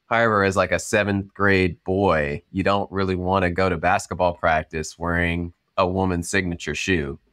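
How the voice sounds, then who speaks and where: A man born in Cameroon, a startup founder, talking through his story in a relaxed, chatty way with lots of ums and you-knows. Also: low voice, moderate pace, hardly any pauses, dry recording, clean studio sound. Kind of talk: casual storytelling interview.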